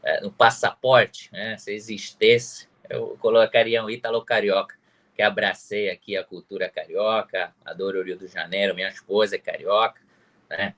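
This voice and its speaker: A man's voice: fairly low pitch, steady tone, normal speed, a bit bright. A man from Italy with an Italian accent, speaking a second language casually as an interview guest. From Pisa, Tuscany, Italy. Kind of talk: casual introduction in an online interview.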